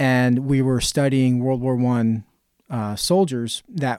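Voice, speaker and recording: A man with a medium-pitched voice and fairly even intonation uses a normal speaking voice on a very clean recording with a silent background. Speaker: history graduate researcher. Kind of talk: panel interview.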